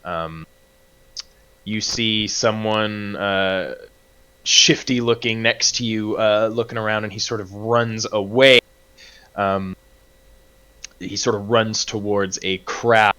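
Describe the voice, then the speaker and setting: A man running a tabletop game as game master, narrating in a relaxed way full of pauses. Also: on the low side, smooth. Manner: relaxed, many fillers and restarts.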